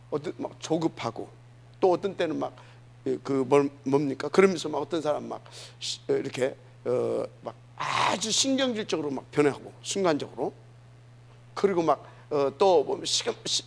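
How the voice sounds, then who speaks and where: A man preaching a sermon, often asking the congregation questions and swinging between loud emphasis and soft asides. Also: a little high, vocal fry. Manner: asks the congregation questions, many fillers, dynamic swings. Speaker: pastor.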